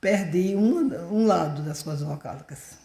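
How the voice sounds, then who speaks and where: A woman talks at a very slow pace. Room echo is audible. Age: old. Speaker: church women's teacher. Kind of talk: sermon. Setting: women's church retreat. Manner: halting, repeats words.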